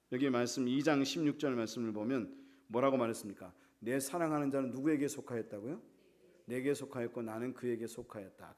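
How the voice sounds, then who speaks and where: A middle-aged male pastor teaching a Bible study, acting out quarrels between spouses in direct speech. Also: mid-range voice.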